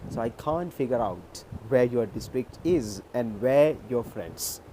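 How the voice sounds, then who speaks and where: A man from Maharashtra with an Indian accent, a native Urdu speaker, tutoring English on a video call in a measured, explanatory way. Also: mid-range voice, lively intonation, warm tone, slight background noise, poor audio. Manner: measured, explanatory, checks in with "okay". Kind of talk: conversation practice on a video call.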